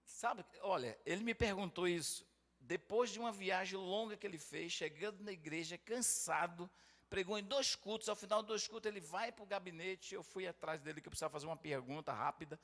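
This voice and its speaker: A man's voice: high-pitched, a little fast, long reverb tail. A middle-aged man, a pastor and councilman, telling a story with laughter and acted-out dialogue. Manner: animated, laughing storyteller who acts out dialogue.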